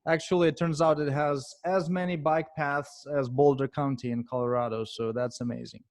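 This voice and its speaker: A man with a Ukrainian accent presents to a professional group. His voice sits a little high for a man, and he speaks in a measured way, pausing often and filling gaps with "uh" and "um". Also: steady tone. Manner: measured, with frequent pauses and filler sounds. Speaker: conference speaker and author.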